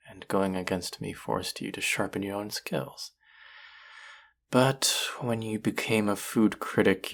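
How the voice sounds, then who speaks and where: A young male chef played by a man in an intimate audio drama, combative and exasperated yet earnest underneath. His voice is deep and heavy with gravelly fry. He speaks slowly, with halting, emotive pauses. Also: a bit bright, exaggerated voice. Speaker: voice actor in audio roleplay.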